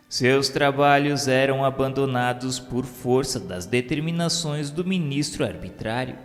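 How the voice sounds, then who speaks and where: Slow, reverberant Brazilian male narrator. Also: mid-range voice. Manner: measured, formal, literary delivery. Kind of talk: solemn scripted narration of a religious radio novela. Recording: long reverb with music bed. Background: music.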